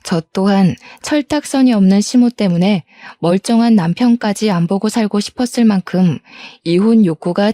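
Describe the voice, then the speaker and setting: A woman's voice: mid-range voice, mellow, dry recording. A woman in her thirties reading a first-person story aloud in an aggrieved, complaining tone. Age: 30s.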